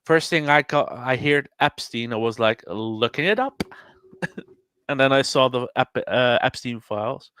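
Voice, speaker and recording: Man, halting delivery, close dry sound. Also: medium pitch, animated, fairly bright tone, smooth, no room sound. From Belgium. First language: Dutch. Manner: halting, repeats and restarts words. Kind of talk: casual podcast chat.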